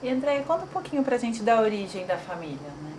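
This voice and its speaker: A woman interviewing, gently prompting with questions. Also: fairly high pitch, big pitch swings, fast, slight background noise.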